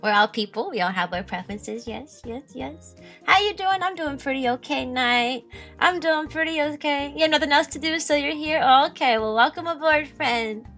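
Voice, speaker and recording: Bright, high-pitched woman streamer chatting. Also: animated, normal speed, soft background music. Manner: high-pitched, chatty, giggly, reads and answers chat. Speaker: VTuber streamer. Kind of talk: casual live-stream chat with viewers.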